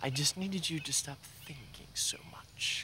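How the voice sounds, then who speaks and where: A raspy put-on character voice from a man, fairly high in pitch, at a moderate pace over light background noise. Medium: short film. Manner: patient, encouraging, gently teasing.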